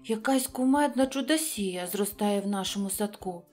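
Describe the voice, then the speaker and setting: A woman voicing a naive, excitable young male hare schoolboy in a children's storybook, exclaiming wide-eyed. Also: mid-range voice, normal speed, soft background music, lightly acted. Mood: puzzled wonder.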